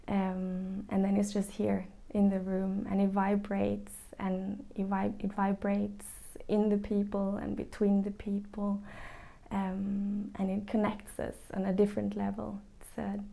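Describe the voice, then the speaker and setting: Gravelly Norwegian woman, thoughtful musician. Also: mid-range voice, warm tone. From northern Norway. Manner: thoughtful, searching for words with many ums and restarts. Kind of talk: reflective interview answers.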